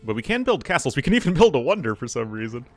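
Relaxed man reading game briefings. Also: mid-range voice, fast, faint music behind. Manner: reads mission text aloud, relaxed and chatty. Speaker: gaming channel host. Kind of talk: let's play commentary.

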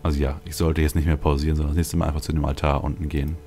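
A man's voice: a bass voice, little pitch movement, rapid-fire, dark tone. A man giving casual gameplay commentary as a let's play host, rambling and thinking aloud. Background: video game music.

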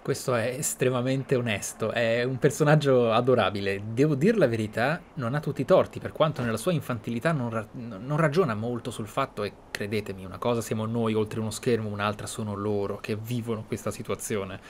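Man, game commentator, medium pitch, reflective, explanatory, faint ambient noise behind. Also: a little fast, hardly any pauses. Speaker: host of a gameplay series. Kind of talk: role-play game commentary.

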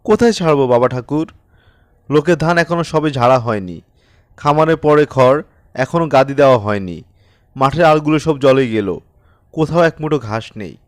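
A man's voice: medium pitch, lively intonation, moderate pace, long pauses, dry recording, close to an everyday voice. A desperate, humble peasant from a storybook, played by a male narrator. He begs plaintively and defers to his betters. The recording is dry. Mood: helpless, pleading. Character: poor, humble peasant father, desperate and pleading. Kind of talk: dramatized audiobook storytelling.

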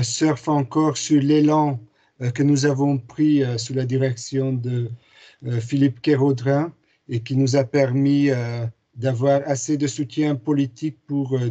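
A man's voice: mid-range voice, dark tone. A man in his forties, not a native French speaker, giving a webinar presentation from a home office with many hesitations. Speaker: guest presenter. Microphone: video call. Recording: muffled video call audio.

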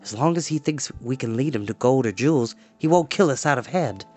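A man voicing a cautious, earnest young adventurer in a storybook, measured and hushed. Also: medium pitch, expressive, husky, faint music behind. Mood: hushed reasoning.

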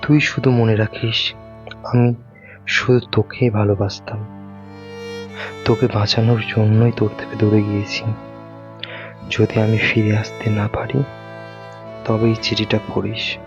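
A man's voice: lowish voice, level tone, measured pace, long pauses. A man playing an anguished, devoted young lover in an audio story, speaking earnestly. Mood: sorrowful, resigned. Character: anguished young male lover, twenty-five, secretive and devoted. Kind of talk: dramatic audio story acting. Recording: dull lo-fi recording with violin music.

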